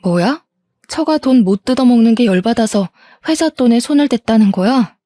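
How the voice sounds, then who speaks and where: A woman in her fifties narrates a family drama in first person. Her voice is mid-pitched with a mellow, dark tone and a dry, close sound. She turns sharp and accusatory in confrontations. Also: animated, fairly quick, dry recording. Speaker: narrator and wife.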